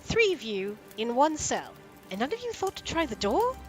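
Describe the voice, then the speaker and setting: A woman putting on an English accent to voice a brisk, exasperated English woman, speaking quickly. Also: high-pitched, big pitch swings, faint music behind, pitched above the performer's own voice. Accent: English, put on.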